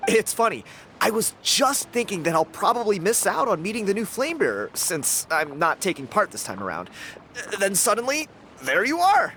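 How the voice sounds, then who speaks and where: A man's voice: sits high, very animated, normal speed, a little hiss or hum, exaggerated voice. A man voicing a cocky, friendly young tribal dancer in a video game, talking in an easygoing, boastful way. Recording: game audio with loud music underneath.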